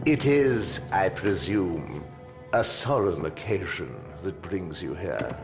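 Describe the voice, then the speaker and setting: An actor playing an elegant, sinister funeral director in an audio drama, with formal, unctuous manners and false sympathy. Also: male voice, deep voice, lively intonation, slow, music in the background, full character voice. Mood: falsely sympathetic. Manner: unctuous, formal, ornate phrasing.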